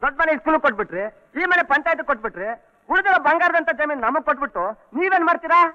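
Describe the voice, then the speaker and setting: An actor playing a scheming male sidekick who talks in a quick, needling way. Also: very high voice, lively intonation. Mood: pleading. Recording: dull old film soundtrack.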